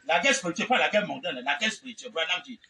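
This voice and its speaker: A man preacher delivering a fervent sermon, shouting and calling out repeated amens. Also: fairly high pitch, expressive, rapid-fire. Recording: distant mic with faint background noise.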